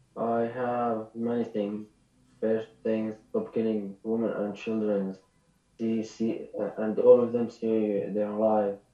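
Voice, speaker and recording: A man with an Arabic accent speaks at a fairly slow pace. His fairly low voice stays monotone and flat. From Gaza, Palestine. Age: young. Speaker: physiotherapy student. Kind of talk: interview testimony. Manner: halting.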